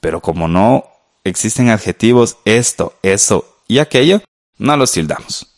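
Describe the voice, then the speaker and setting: Male radio teacher, low and very animated, patient explainer. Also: moderate pace. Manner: patient, explanatory, addresses the listener directly. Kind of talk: scripted radio lesson.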